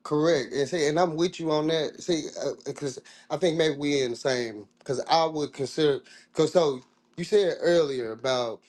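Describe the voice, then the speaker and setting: A man's voice: a little high, normal speed, darkish tone. A man from the American South with a Southern accent, talking in a casual discussion, rambling and restarting his sentences in informal speech.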